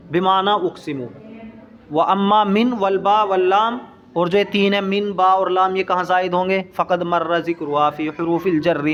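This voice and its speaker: High-voiced man teaching grammar, lo-fi. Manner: reads Arabic text slowly then explains it quickly; asks the students questions. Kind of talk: classroom lesson, explaining Arabic grammar in Urdu.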